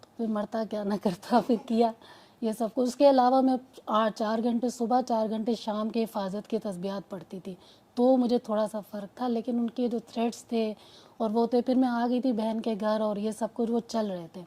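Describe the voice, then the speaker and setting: A woman's voice: a little high, fairly even intonation, mellow. Earnest woman telling a rambling story. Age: adult mother. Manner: earnest, rambling storytelling with many restarts and quoted dialogue. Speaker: client giving a testimonial. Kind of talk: personal testimony.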